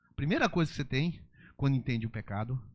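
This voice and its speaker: A male pastor preaching a sermon at a church service, swinging between loud exhortation and soft pleading. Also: mid-range voice, expressive, fast.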